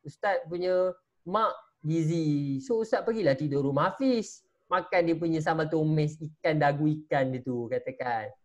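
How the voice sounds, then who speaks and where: A man's voice: fairly high pitch, moderate pace. A man teaching religious studies to children over a video call, telling them a story and stopping often to ask them questions. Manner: animated, talks straight to the children and asks them questions. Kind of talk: teaching an online class, storytelling.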